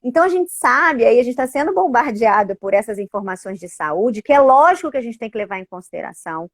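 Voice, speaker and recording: A middle-aged woman who is both an educator and a parent talks casually and animatedly at a quick pace in a fairly high voice. She often tags sentences with little questions, and the recording is clean studio sound with no echo.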